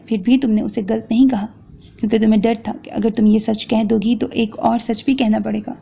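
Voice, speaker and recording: An angry young husband, voiced by a woman narrator scolds and lectures in a harsh, accusing way in a romance audio novel. His voice is gravelly and mellow, set a little high. The recording sounds dull and lo-fi. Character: angry young man berating his wife.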